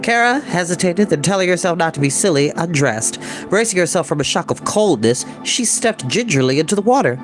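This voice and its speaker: A woman's voice: lowish voice, animated, a little fast. Woman reading a story over music. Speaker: storytime reader. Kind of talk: expressive children's story narration.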